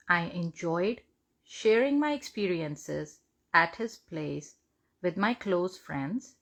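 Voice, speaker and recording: A woman reads a devotional testimony aloud in measured, deliberate phrases. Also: fairly low pitch, creaky. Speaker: devotional reader.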